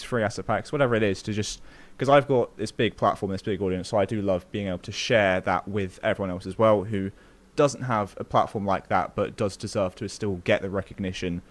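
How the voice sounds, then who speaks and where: Man, very low voice, relaxed, friendly, casual stream host. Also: moderate pace. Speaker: YouTube tutorial creator, stream host.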